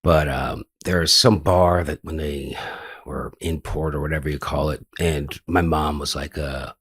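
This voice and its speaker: A man's voice: very deep voice, steady tone, measured pace, fairly bright tone, slightly rough, no echo, studio quality. An older American man telling his life story as a podcast guest, rambling loosely with lots of fillers and the odd swear word. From United States. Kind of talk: casual interview storytelling.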